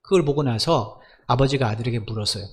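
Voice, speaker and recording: A male pastor delivers a Sunday sermon at a medium pitch. He stresses key points with emphasis and keeps turning to the congregation with rhetorical questions. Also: fast talker, darkish tone.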